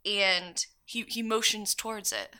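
A woman co-hosting a casual chat, telling a made-up scenario step by step, animated and insistent. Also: mid-range voice, unhurried. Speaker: podcast co-host.

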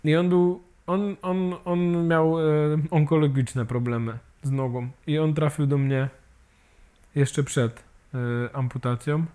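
A man's voice: fairly high pitch, warm tone, clear, resonant tone. A man who is an amputee and peer support volunteer, talking casually in an interview and hesitating often as he searches for words. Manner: halting, many fillers and restarts, ends with tag questions.

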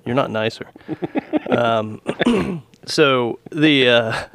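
A man's voice: mid-range voice, lively intonation, drawn-out words, creaky, fairly bright tone, dry recording. A man co-hosting a podcast, chatting casually and rambling with lots of restarts and fillers. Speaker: podcast co-host. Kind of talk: casual chat about stocks.

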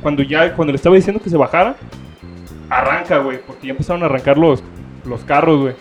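A man with a Mexican accent tells a story among friends in fast, slang-heavy chat. He acts out the quoted lines himself, and his voice sits high. Faint music plays behind him. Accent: Mexican Spanish. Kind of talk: casual chat.

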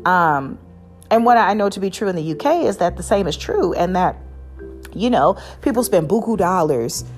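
Woman, solo podcast host, rambling casual chat, lowish voice, faint background music. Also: lively intonation, normal speed, darkish tone. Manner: chatty, rambling, many fillers and restarts.

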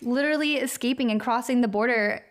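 A woman's voice: on the high side, fast. Young woman hosting a podcast, earnest and reflective, lots of likes and ums. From Kentucky, United States. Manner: earnest, reflective, uses many fillers. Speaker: podcast host. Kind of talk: casual conversation.

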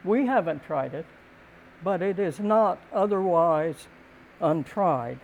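Older lady doing a prepared talk, calm n gentle, really slow, bit of background noise. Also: fairly low pitch, phone-quality sound. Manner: deliberate, thoughtful phrasing with frequent pauses. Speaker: speaker giving a talk on community and housing.

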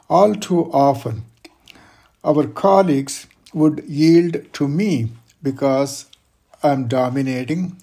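A man with a mellow, dark tone and a slightly husky edge talks through workplace advice. He explains in a measured, orderly way, building his points with lists and everyday examples. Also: on the high side. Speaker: career advice guest. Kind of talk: interview advice talk.

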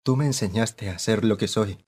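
A man voices an anguished young former pupil in a radio play. His voice is low and husky, and he presses each line in a pained, pleading way. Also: moderate pace, a little mellow. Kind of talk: radio drama acting.

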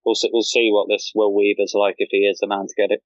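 Low flat-voiced British man on a dull line. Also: fast talker, dry recording. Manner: hesitant, repeats words when starting. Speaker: podcast guest, fan account runner. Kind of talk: casual podcast chat.

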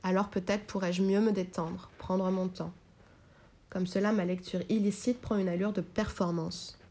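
Mellow-voiced woman reading a novel aloud. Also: mid-range voice, level tone, normal speed. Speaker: reader.

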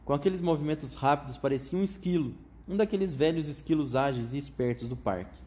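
A man reading a children's book aloud in a measured storytelling manner. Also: fairly high pitch, warm tone.

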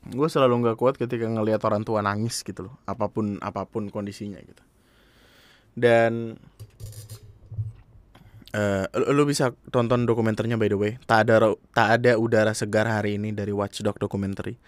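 A man's voice: lowish voice, flat delivery, brisk, no echo. A young man, earnestly commenting in a casual monologue, speaking straight to his listeners. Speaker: podcast host.

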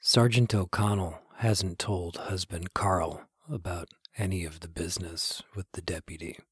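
A man reading scripted podcast narration in a reflective, wry, measured way, like a storyteller. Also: low-pitched, fairly even intonation, slightly rough, no echo, studio quality. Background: music.

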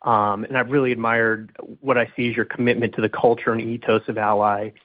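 A man with a medium-pitched voice comes through a thin phone connection. He is a financial analyst on an earnings call, setting out his points and questions to management. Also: little pitch movement, a little fast. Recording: thin, narrow phone line.

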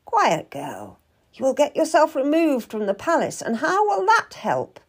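A woman's voice: medium pitch, big pitch swings, slow, vocal fry, slightly rough, full character voice. Woman acting stern, secretive old midwife. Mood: curt, commanding. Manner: commanding, clipped, solemn.

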